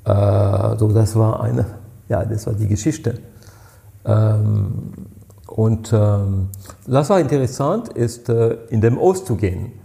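A man in his sixties with a French accent, speaking slowly and haltingly, reaching for words between fillers. His fairly low voice is mellow and noticeably gravelly. He talks in the manner of an interview guest telling old stories. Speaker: party president, guest. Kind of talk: interview answers, storytelling.

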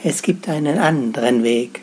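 A man voicing a calm, wise guardian spider. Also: mid-range voice, moderate pace, background noise, close to an everyday voice. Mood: solemn.

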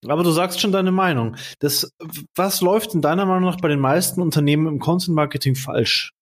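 A man hosting a casual marketing podcast, chatty and joking as he asks quick questions. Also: fairly high pitch. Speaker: podcast host. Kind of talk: casual interview.

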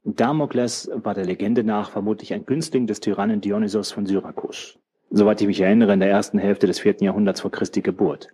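A man voicing a learned old man who explains a legend in a measured, lecturing way. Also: fairly low pitch, fairly even intonation, warm tone, husky. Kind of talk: audiobook character voice.

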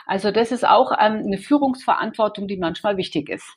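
A woman's voice: mid-range voice, brisk, slightly rough. A woman, a guest author explaining her coaching method in an interview, hesitant with many fillers and restarts.

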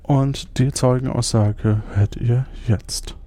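A man hosting as game master of a mystery podcast, talking in a brisk, organizing way. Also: medium pitch, steady tone, dark tone, a little hiss or hum.

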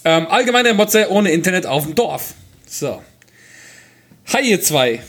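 A man's voice: high voice, big pitch swings, unhurried, a bit bright, husky. A man co-hosting a podcast in casual chat, jokey and laughing often as he reads listener mail aloud.

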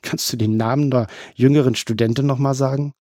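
A man's voice: mid-range voice, steady tone, brisk, a little mellow, dry recording, close to an everyday voice. A sheepish younger detective with a hesitant, apologetic delivery, as a male narrator plays him. His voice is close to the reader's own, in a dry, close sound.

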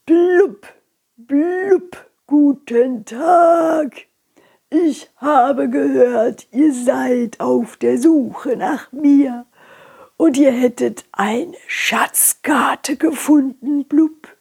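Woman playing a croaky old black fish. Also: sits high, darkish tone, pitched above the performer's own voice, exaggerated voice. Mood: friendly. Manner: slow, whispery, says "blub".

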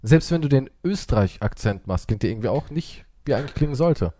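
A man chatting casually and teasingly, with an animated, expressive way of talking. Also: mid-range voice, quick pace. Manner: teasing, playfully mocking. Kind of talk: casual banter.

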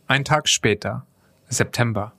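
A man's voice: medium pitch, a little slow, vocal fry, pushed and bright. A man reading stage directions aloud in a plain, clipped way.

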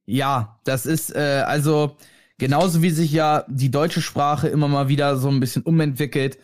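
A young man co-hosting a casual podcast, talking in animated, rambling stretches. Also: a little high, moderate pace, no echo. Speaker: podcast co-host. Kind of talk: casual chat.

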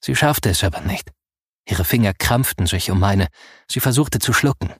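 A man narrating a first-person audiobook in a soft, grave storytelling manner. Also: lowish voice, lively intonation, moderate pace, slightly rough, dry recording, studio quality.

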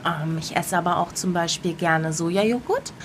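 A woman's voice: fairly low pitch, normal speed, a little hiss or hum. A woman co-hosting a podcast in playful, cheeky casual chat while sitting outdoors. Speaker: podcast co-host.

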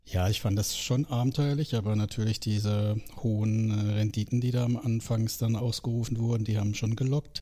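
Man, late forties, southern German accent, dark mellow tone, casual rambling guest talk. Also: lowish voice, fairly quick, few pauses. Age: 40s. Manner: relaxed, rambling, frequent fillers and tag questions. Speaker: podcast guest. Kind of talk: casual conversation.

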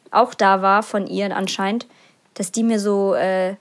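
A woman's voice: mid-range voice, little pitch movement, measured pace. A young woman from the Bonn area chatting casually with her sister, recalling childhood with self-mocking humor. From Bonn area, Germany.

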